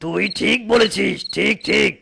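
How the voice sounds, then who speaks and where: A man doing a gravelly blustering cartoon ape. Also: high-pitched, measured pace, heavy background noise, full character voice. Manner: rough, blustering. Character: gruff male ape, clumsy.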